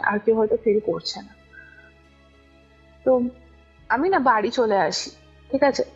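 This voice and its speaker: Husky young woman storyteller. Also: on the high side. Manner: conversational, often checks the listener follows. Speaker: guest recounting a personal ghost experience. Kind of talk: casual spoken storytelling. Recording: muffled lo-fi audio over music. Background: music.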